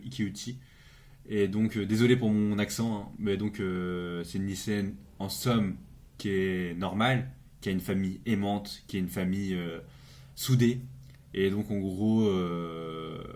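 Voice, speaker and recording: A young man with a lowish voice talks through a drama series in a loose, casual way. He hesitates often, restarting his sentences and filling gaps with little sounds as he goes. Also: darkish tone. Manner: hesitant, many fillers and restarts. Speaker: video creator reviewing a series. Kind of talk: casual spoken review.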